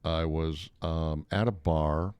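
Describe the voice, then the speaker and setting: A man's voice: very deep voice, fairly even intonation, slow pace, darkish tone, clear, resonant tone, dry recording. An American man in his fifties chatting casually as a radio host, telling stories in a wry way. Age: 50s. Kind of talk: casual chat and storytelling.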